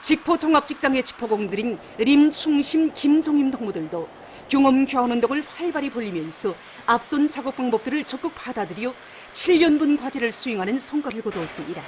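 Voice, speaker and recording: A woman announcer with a North Korean accent reads a formal state news bulletin. Her voice is notably high, and the delivery is scripted, in the manner of official television news. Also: expressive, a little fast, a little hiss or hum.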